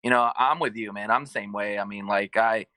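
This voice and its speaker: A man speaks as a guest on a video call, friendly and agreeable as he explains his points. His voice is bright and sharp, recorded dry through a webcam. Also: fairly low pitch, brisk, no echo. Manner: conversational, agreeable, explains with examples. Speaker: guest and youth basketball coach. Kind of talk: casual chat on a video call.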